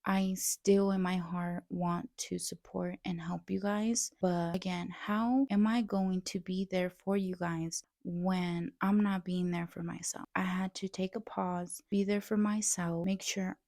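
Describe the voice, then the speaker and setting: A woman's voice: lowish voice, little pitch movement, unhurried, vocal fry, hardly any pauses, a little mellow, dry recording, clean studio sound. A young woman vlogger talking heartfelt to her viewers in a casual chat, with a stutter that repeats sounds.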